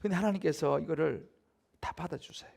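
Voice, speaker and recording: A man's voice: fairly high pitch, a little fast, vocal fry, darkish tone. A middle-aged male pastor giving a Wednesday evening sermon in a church, talking conversationally, often asking the congregation to agree and acting out haggling voices. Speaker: senior pastor. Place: church sanctuary.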